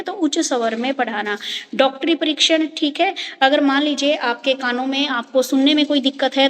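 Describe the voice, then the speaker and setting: A woman with a high voice teaches her class, walking through each point and asking herself little rhetorical questions as she goes. Her voice hangs in a long reverb, as if spoken in a bare hall. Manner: explanatory, repeats rhetorical "kya hai" questions. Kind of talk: online class lecture.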